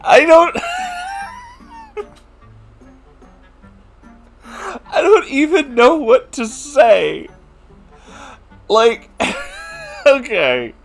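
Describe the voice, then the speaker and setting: A man's voice: very high voice, huge pitch swings, extremely slow, long pauses, faint music behind. A man giving a comedic recap of a book chapter, exasperated and incredulous, with laughing asides. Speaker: book reviewer.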